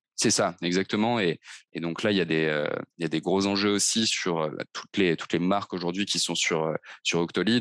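At a moderate pace, a man speaks in a very deep, low voice. His intonation is fairly even. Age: 20s. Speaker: head of sales. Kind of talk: interview. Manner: halting, many repetitions.

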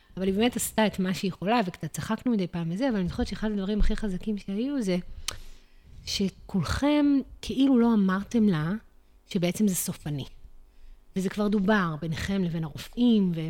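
A woman with a dark, mellow tone speaks at a moderate pace, using ordinary pitch variation. She pauses long and often, and the recording is very clean with a silent background. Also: medium pitch for a woman. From Israel (Ramat HaSharon). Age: 30s. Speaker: dance teacher and doula, podcast co-host. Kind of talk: casual chat. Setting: home at night.

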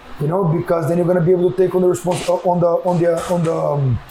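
A man's very fast, high-pitched speech with a Brazilian accent, over noticeable background noise. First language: Portuguese. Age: 40s. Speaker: jiu jitsu champion and coach. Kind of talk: casual interview chat.

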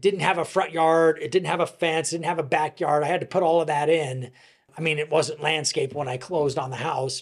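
In a plain, everyday voice, a man speaks at a fairly quick pace and a fairly high pitch with ordinary pitch variation. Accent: American. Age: 60s. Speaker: podcast host and mortgage professional. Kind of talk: casual monologue.

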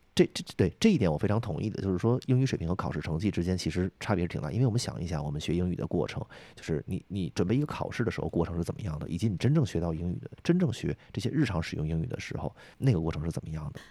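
The voice has a dark, mellow tone and lively intonation at a very fast pace. The recording is very clean, with a silent background. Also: man, very deep, low pitch for a man. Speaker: podcast co-host, software developer living in the US. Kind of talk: casual chat.

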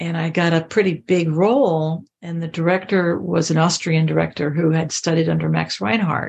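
This woman has a plain, everyday voice and an American accent. Her pitch is fairly low, with ordinary variation, and her pace is moderate. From US Midwest. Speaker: actress and writer. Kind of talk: interview.

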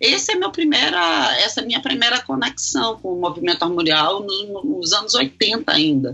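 A woman talks at a moderate pace with a medium pitch. Her pitch swings very widely, and there is noticeable background noise. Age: 40s. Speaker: design professor. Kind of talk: casual chat.

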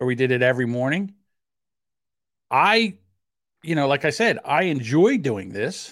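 A man speaks in a South Jersey accent with very wide pitch swings. The recording is very clean, with a silent background. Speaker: podcast co-host.

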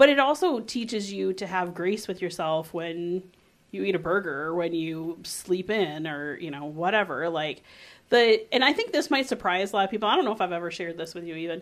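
On a very clean recording with a silent background, a woman with an ordinary speaking voice talks at a fairly quick pace, medium in pitch, with lively intonation. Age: 40s. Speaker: podcast co-host, marketing lecturer, entrepreneur. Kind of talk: casual chat. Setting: live stream.

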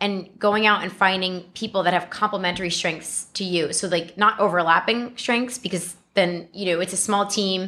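Speaking at a moderate pace, a woman has a bright, sharp tone. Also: medium pitch for a woman, fairly even intonation. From New York City, the Bronx. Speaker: managing director, entrepreneur support. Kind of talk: interview conversation. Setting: studio.

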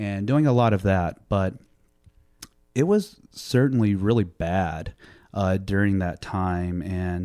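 In a Southern US accent, a man speaks at a very slow pace with long, frequent pauses, his fairly low voice carrying a dark, mellow tone. Pitch variation is ordinary, and the recording is very clean with a silent background. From US South, Meridian, Mississippi. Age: 30s. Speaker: podcast guest sharing life story. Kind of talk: personal testimony interview.

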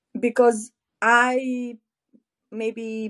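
A woman speaks in a fairly high voice with an Eastern European accent. The sound is dry and close, with no echo. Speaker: NLP coach and real estate agent. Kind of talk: interview, casual explanation.

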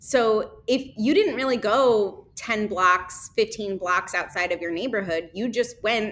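A plain, everyday voice moves along fairly slowly, its pitch shifting in an ordinary way. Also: woman. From New Jersey. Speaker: graffiti artist and university employee. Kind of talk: casual chat. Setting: at her workplace.

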